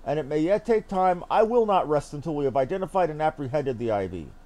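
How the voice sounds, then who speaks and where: A man's voice: on the high side, expressive, fast, mellow, lightly acted. A man voicing a solemn, dutiful soldier captain from a fantasy game, speaking formally and with emphasis. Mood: grave, resolute. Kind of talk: reading fantasy game dialogue aloud in character.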